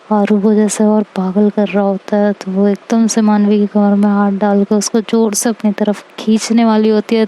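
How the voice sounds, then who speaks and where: A woman storyteller narrating an audio love story in an unhurried, intimate manner. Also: mid-range voice, dark tone, a little hiss or hum, rough recording.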